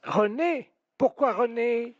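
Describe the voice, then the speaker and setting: A man's voice: very high-pitched, lively intonation, slow pace, dry recording, lo-fi sound, full character voice. A man putting on a dotty, half-deaf old woman. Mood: muddled. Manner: feigns mishearing, pesters, mock-sweet. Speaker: prank caller. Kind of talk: prank phone call.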